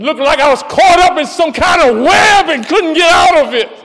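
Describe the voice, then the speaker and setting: A man with an American accent speaks at an extremely high pitch and a moderate pace, his tone animated and his intonation lively. Crowd noise carries in the background. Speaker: guest preacher. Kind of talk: sermon; preacher's testimony, fervent and rising, call-and-response cadence. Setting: church.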